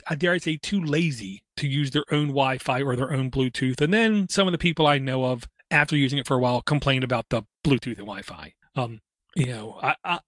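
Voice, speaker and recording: A man's voice: mid-range voice, a bit bright, no room sound, clean studio sound. Enthusiastic man in casual tech chat. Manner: enthusiastic, uses homespun comparisons.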